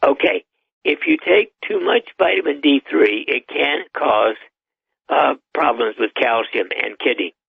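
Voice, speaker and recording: An elderly man in his eighties speaks as a doctor giving advice, matter-of-fact and sure of himself. His voice is gravelly and husky. It comes through a tinny, dry phone line. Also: a little high, expressive, measured pace, no room sound. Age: 80s. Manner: matter-of-fact, advisory, with chuckles. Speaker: doctor guest. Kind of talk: radio call-in interview.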